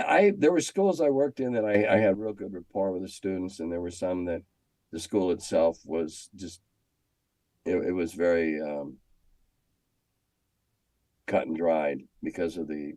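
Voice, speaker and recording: An older American man reminiscing in a casual, halting, anecdotal way, often repeating himself as he goes. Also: deep voice, warm tone, no echo. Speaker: guest, former schoolteacher. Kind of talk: casual storytelling interview.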